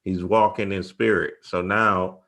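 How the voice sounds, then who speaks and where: A man with a low-pitched voice hosts an informal spiritual conversation. He talks reflectively, feeling his way through his phrases in a casual style. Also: fairly even intonation, measured pace, gravelly, pushed and bright. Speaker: show host.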